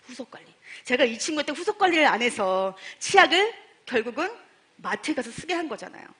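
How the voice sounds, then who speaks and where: A middle-aged woman giving a sales testimony as a story, animated, acting out dialogue and quizzing her audience. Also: sits high, fairly quick, breathy edge. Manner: animated, acts out dialogue, asks the audience questions. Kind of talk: storytelling talk to a seminar audience.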